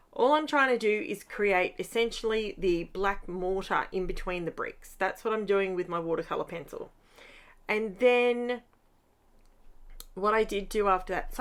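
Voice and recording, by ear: A raspy, put-on character voice from a woman, medium in pitch, with ordinary pitch variation and a moderate pace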